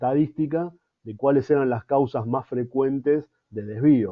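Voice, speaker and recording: A man talks in a Rioplatense accent at a medium pitch. His intonation is fairly even. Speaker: civil engineer, public works manager. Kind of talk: podcast interview.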